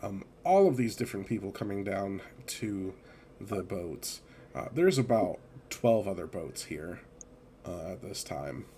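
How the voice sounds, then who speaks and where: A man narrating a tabletop game as game master, unhurried, with many fillers. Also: low voice, expressive, warm tone, a little hiss or hum.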